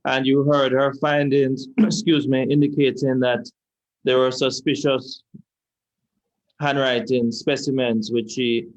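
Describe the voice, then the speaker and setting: A man with a Jamaican accent, a lawyer questioning a witness at an inquiry in a measured, deliberate, repetitive way. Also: medium pitch, level tone, highs cut off. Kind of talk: courtroom cross-examination. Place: inquiry hearing room.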